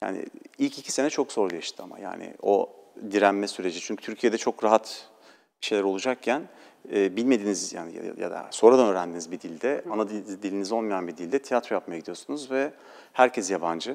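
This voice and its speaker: Against a quiet background, a man with a fairly low pitch talks at a fairly quick pace, showing ordinary pitch variation and big swings in loudness. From Turkey. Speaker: actor; actor, interview guest. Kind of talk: TV interview. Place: studio. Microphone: lapel.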